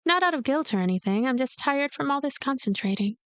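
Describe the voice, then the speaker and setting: A woman's voice: high voice, lively intonation, fairly quick, a bit bright, clear, resonant tone, dry recording. A woman voicing a lonely, cynical, manipulative girl who narrates a visual novel in a detached, coaxing way. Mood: cold, matter-of-fact.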